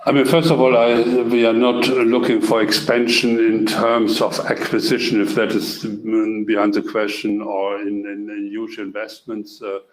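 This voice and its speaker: A somewhat low male voice answers investor questions on an echoey call. The intonation stays level and the explanation comes haltingly, as from a company executive. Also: flat delivery.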